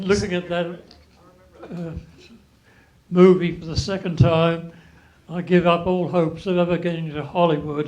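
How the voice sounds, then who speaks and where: The speech has monotone, flat intonation, big swings in loudness, and long, frequent pauses. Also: man, high pitch for a man, moderate pace. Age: 90s. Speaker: planetary scientist. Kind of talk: panel discussion. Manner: halting.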